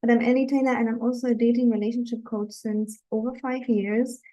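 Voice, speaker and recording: A woman's voice: fairly high pitch, flat delivery, brisk, mellow, dull audio. A woman from Germany, a dating coach, speaking to viewers in an earnest, encouraging live webinar talk.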